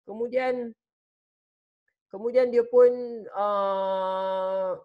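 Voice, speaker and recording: A man's voice: high-pitched, extremely slow, clean tone, muffled recording. A man teaching religious studies to children over a video call, telling them a story and stopping often to ask them questions. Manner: animated, talks straight to the children and asks them questions. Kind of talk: teaching an online class, storytelling.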